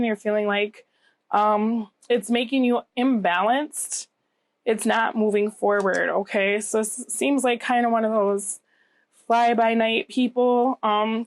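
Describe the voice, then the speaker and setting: Here a channel host reads tarot casually while still getting over a cold, so her voice comes out a bit scratchy and nasal. She speaks a little slowly in a fairly high pitch with fairly even intonation, keeping things conversational and frequently checking in with the listener.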